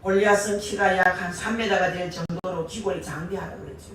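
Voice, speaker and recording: A woman preacher delivering an impassioned sermon, rising to shouts on key words, recorded from a distance in a church sanctuary. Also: lowish voice, steady tone, fairly quick, slight background noise. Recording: echoey church hall, far from mic.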